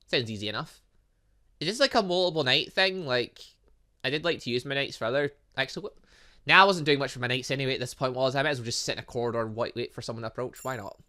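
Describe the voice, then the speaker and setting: A man's voice: medium pitch, sharp tone. A man hosting a gaming video, reading game dialogue aloud with chatty asides and sometimes stumbling over words. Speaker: gaming channel host.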